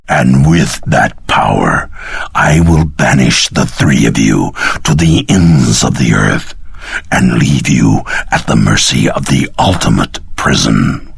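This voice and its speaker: A man playing an arrogant, menacing time-travelling villain in a video game, speaking slowly and condescendingly in a gravelly, raspy voice. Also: a bass voice, a bit bright, no echo, studio quality, heavily acted. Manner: slow, grandiose, condescending.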